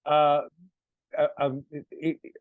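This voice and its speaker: A middle-aged man from Colombia, speaking English with a Colombian Spanish accent as a musician being interviewed. He talks haltingly, repeating words and restarting often. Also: on the high side, monotone, dry recording, phone-quality sound. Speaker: musician guest. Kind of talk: interview answers.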